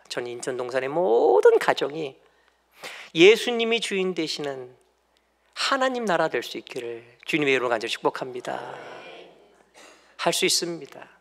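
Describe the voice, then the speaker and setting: A man preaching a church sermon, acting out family quarrels loudly and then dropping to soft, tender murmurs. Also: a little high, vocal fry, long reverb tail. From South Korea. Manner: drops to near whisper for tender lines and stories. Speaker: pastor. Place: church sanctuary.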